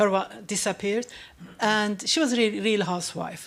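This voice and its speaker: A woman's medium-pitched voice with a Turkish accent and ordinary pitch variation. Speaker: feminist activist and journalist. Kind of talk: panel discussion. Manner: halting, many false starts.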